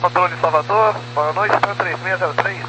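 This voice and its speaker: A pilot talking over the radio, reading back controller instructions in clipped, routine phrases. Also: male voice, sits high, moderate pace, pushed and bright. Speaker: airline pilot. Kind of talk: radio read-back to air traffic control. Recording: noisy cockpit radio transmission.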